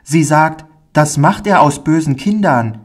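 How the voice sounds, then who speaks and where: A man voicing a shy, timid little boy in a storybook reading, with a high, pleading tinged voice. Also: animated, a little slow. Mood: anxious, eager.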